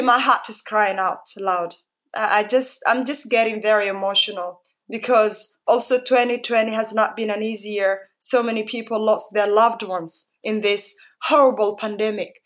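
A woman with an East African accent speaks in a somewhat high-pitched voice. She gives a personal talk as a guest speaker, heartfelt and emphatic, repeating phrases to drive them home. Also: a bit bright. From Somalia-born, raised in Kenya.

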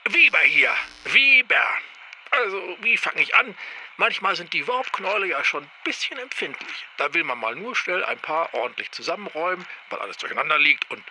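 An actor playing a hapless time-travelling agent who rambles hesitantly in an audio drama voicemail. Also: male voice, high voice, big pitch swings, brisk, bright, forceful tone, a little hiss or hum, heavily acted. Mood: sheepish. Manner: hesitant, rambling, thinking aloud.

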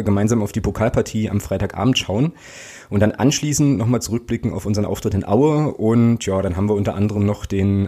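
A man's voice: on the low side, mellow, breathy edge. A man hosting a casual fan podcast, chatty and joking, with lots of fillers. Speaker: podcast host.

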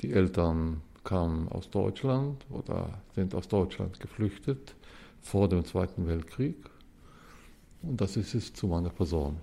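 A man in his seventies from Israel, a historian giving measured explanations as an interview guest. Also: sits low, lively intonation, gravelly, mellow, breathy edge. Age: 70s. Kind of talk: casual interview talk.

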